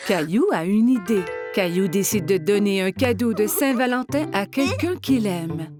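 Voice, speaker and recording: A woman's voice: mid-range voice, animated, moderate pace, darkish tone, soft background music. A woman reading scripted narration for a children's cartoon story.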